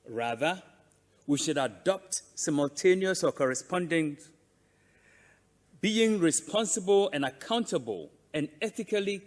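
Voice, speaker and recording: A man delivers a formal, prepared address in a somewhat high voice. He speaks very slowly and deliberately, leaning on phrases between pauses, and his words ring with long reverb in a large hall. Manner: deliberate, measured, emphatic with pauses. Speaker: conference speaker presenting a museum.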